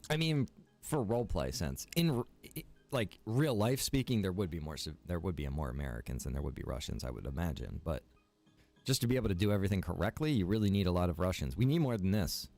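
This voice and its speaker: A man's voice: deep voice, animated, fast, creaky, darkish tone, faint music behind. A man streaming a game, chatting casually with viewers, rambling and joking as he plays. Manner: rambling and joking, chats to viewers and reacts while playing.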